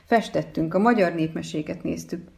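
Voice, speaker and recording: A woman reading a first-person story aloud as narrator, in a calm, measured way. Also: on the low side, vocal fry.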